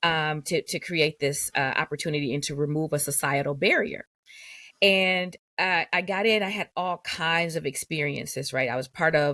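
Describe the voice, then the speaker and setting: A woman with an American accent speaks at a moderate pace in a very deep, low pitch, her tone bright and sharp with ordinary pitch variation, the sound dry and close with no echo on a very clean recording with a silent background. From Detroit, US Midwest. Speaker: wellness coach. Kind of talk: interview.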